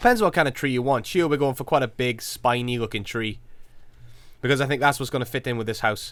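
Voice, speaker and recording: This man's medium-pitched voice shows ordinary pitch variation as he talks at a very fast pace. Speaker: gaming youtuber. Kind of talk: tutorial. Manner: casual.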